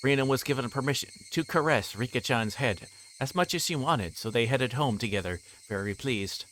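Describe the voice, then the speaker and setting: A man's voice: mid-range voice, lively intonation, moderate pace, fairly bright tone, slight background noise, rough recording. A man livestreaming a visual novel, reading narration aloud with casual asides, often stumbling and rereading lines. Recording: music playing behind the voice.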